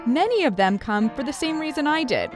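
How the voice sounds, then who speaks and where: A woman hosting a radio show, narrating a scripted feature in an upbeat, lively storytelling manner. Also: high-pitched, brisk, music in the background. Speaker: radio host.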